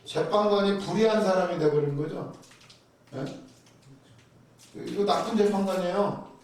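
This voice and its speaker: A pastor preaching a sermon. He is animated and keeps putting rhetorical questions to his congregation. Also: sits high, normal speed. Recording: very echoey hall, mic far off.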